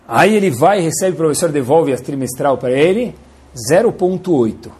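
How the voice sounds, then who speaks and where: A rabbi teaches a Torah lesson with playful theatrics. His voice is somewhat high and husky, and his pitch leaps around animatedly. He slips Hebrew terms into his talk as he goes. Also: animated, moderate pace, darkish tone.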